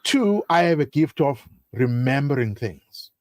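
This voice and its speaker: A man's voice: medium pitch, sing-song, a little slow, dry recording, clean studio sound. A man from South Africa, a guest on a talk show, speaking at length in an expansive, speechifying way. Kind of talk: talk-radio interview.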